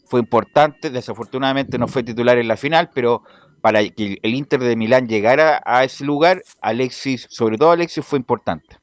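A man on a sports panel with a middle-pitched voice, recorded dry and close. He cuts into the talk and presses his point again and again. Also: brisk, no room sound. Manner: interrupting, insistent questioner. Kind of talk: casual sports panel chat.

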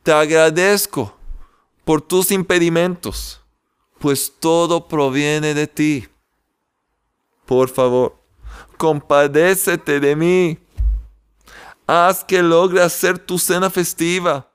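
A man voicing a humble shoemaker who speaks softly and lovingly to his wife. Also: a little high, steady tone, slow, long pauses, smooth. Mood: prayerful. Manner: soft, tender, pleading.

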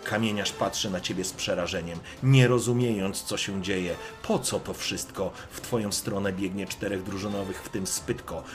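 A man narrating a dark story in the second person, in a brooding, measured way. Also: deep voice. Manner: slow, brooding, measured delivery.

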